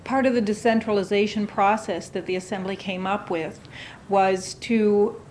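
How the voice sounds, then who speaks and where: A woman's voice: steady tone, moderate pace, darkish tone. A woman being interviewed, explaining how something is organised. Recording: faint low rumble, background noise.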